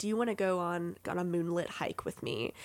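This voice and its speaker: A woman's plain, everyday voice, fairly quick and lively in intonation, in a very clean recording with a silent background. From US Midwest, Missouri. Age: 20s. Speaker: comedy writer. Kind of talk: casual chat; storytelling.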